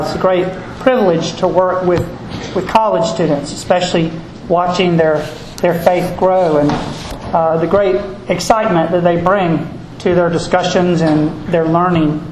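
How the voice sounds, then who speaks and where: Echoey, measured male Catholic priest. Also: sits high. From Georgia, USA. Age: middle-aged. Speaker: Catholic priest, guest speaker. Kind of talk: solemn scripture reading and talk to an audience. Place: large reverberant indoor room. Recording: echoey church-like space, faint noise.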